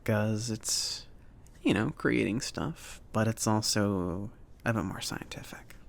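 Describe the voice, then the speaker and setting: Soft, slow, creaky-voiced man playing a friendly mage. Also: on the low side. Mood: casual, modest. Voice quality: soft, breathy, often near-whispered. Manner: hesitant, halting, casual. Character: friendly, awkward mage shopkeeper explaining alchemy. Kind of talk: ASMR roleplay.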